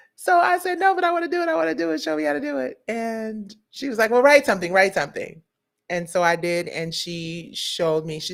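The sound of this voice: In a Detroit accent, a woman talks at a fairly quick pace with very wide pitch swings. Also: medium pitch for a woman.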